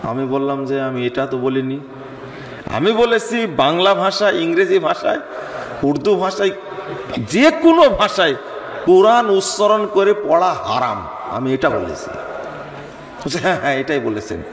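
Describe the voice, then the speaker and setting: A man's voice: a little high, very animated, unhurried, pauses often, a little hiss or hum. A middle-aged man with a Bangladeshi Bengali accent preaching a fiery sermon to an open-air gathering, scolding and firing questions at the crowd. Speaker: Islamic preacher. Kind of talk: outdoor religious sermon to a crowd. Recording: echoey PA sound with long reverb.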